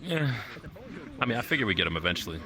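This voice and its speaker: A man's voice: mid-range voice, very animated, fast, bright, forceful tone. A man playing an easygoing, laconic adventurer in improvised roleplay, speaking in a laid-back, understated way. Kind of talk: improvised in-character virtual reality roleplay chat. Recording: distant, chattering voices behind, voice chat.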